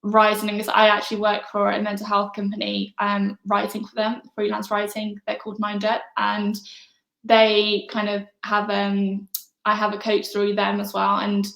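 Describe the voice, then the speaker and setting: Flat-voiced woman in an echoey room. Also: medium pitch, creaky. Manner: soft-spoken, many fillers and pauses. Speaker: interview guest. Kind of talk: casual interview answers.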